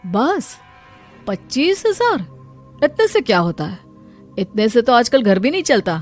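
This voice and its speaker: Cartoon suitor, male, mid-thirties, blunt and money-minded, read by a woman; high-ish voice. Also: sing-song, unhurried, soft background music. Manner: blunt, transactional.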